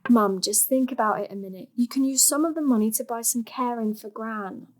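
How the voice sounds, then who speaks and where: A woman's voice: on the high side, a little fast, a little hiss or hum, lightly acted. An actress playing a frustrated, yearning young woman, a blunt and earnest daughter in a stage drama. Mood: persuading. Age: young adult.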